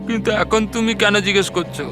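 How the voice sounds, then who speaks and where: Casting: young man as evasive college-going son in a crime serial, high male voice, music clearly underneath. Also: quick pace, natural voice. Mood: evasive, irritated. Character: evasive, sullen student son. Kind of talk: TV crime drama acting.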